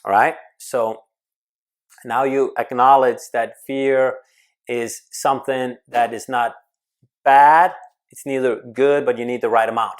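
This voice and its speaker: A man coaching on public speaking, talking to the camera with emphatic, energetic delivery, quick bursts and sudden slowdowns. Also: mid-range voice. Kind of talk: advice talk to camera.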